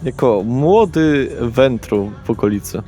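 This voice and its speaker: A man's voice: medium pitch, expressive, a little slow, warm tone, soft background music, natural voice. A man voicing a brash, self-important vampire lawyer in a tabletop role-play, effusive and colloquial. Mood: jovial, chummy.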